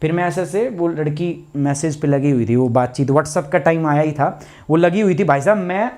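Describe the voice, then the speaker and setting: A man's voice: on the high side, normal speed, darkish tone. A man, a teacher telling a personal story to students in a live online class, chatty and anecdotal.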